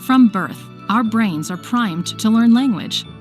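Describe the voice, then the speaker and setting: A woman's voice: fairly high pitch, animated, unhurried. A woman reading a scripted educational narration as a video narrator. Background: soft background music.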